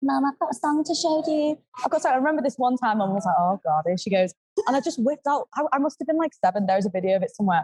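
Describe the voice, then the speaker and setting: A woman with an English accent, high-pitched and animated, at a very fast pace, very wide pitch swings, dry and close with no echo. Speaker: rock band singer. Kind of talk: casual interview chat.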